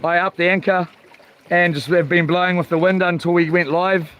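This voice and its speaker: A man's voice: high-pitched, fairly even intonation, moderate pace, a bit bright. A man with a broad New Zealand accent chats casually on a live vlog, rambling and hesitant, with slangy informal phrasing. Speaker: fishing livestream host. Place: outdoors on a small boat at sea. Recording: faint outdoor water and boat noise.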